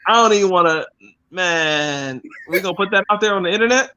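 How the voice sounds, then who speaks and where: A man co-hosting a podcast in casual chat, relaxed and joking as he tells stories. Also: sits high, brisk, smooth, lo-fi sound. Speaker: podcast co-host.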